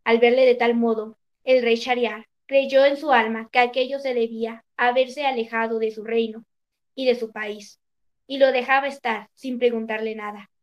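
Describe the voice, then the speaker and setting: A woman narrating an old storybook tale in a measured, even reading. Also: a little high, highs cut off.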